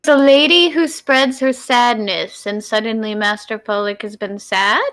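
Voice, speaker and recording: A woman's voice: on the high side, a little slow, a bit bright. A woman playing a tabletop role-playing game, speaking casually in character as she asks questions.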